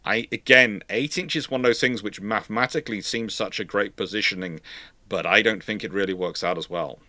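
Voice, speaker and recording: Low-voiced man thinking aloud. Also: brisk, pushed and bright, dry recording. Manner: thinks aloud, conversational, self-questioning. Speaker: host, naval historian. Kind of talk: casual live question-and-answer talk.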